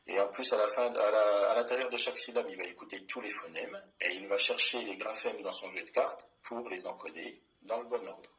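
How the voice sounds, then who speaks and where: A man's voice: fairly low pitch, a little fast, hardly any pauses, a bit bright, muffled recording. A middle-aged man, a primary school teacher, explaining a classroom method in a plain, methodical way with many fillers and restarts.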